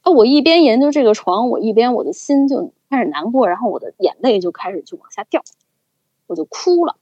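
A young woman casually telling a story as a podcast co-host, with an animated, chatty manner. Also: a little high, fast talker, no room sound. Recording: slightly dull, dry recording.

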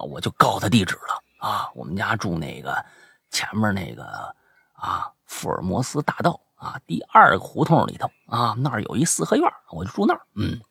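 A man telling a comic story, animated and exclamatory, peppering his speech with filler sounds. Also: fairly low pitch, creaky, husky, no room sound, studio quality. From Beijing.

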